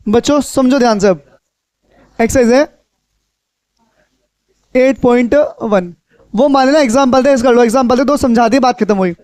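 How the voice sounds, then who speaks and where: A man's voice: extremely high pitch, normal speed, pauses often, a little mellow, no room sound. A man teaching a maths class, repeating questions to his students in a coaxing, instructive way. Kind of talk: classroom lecture.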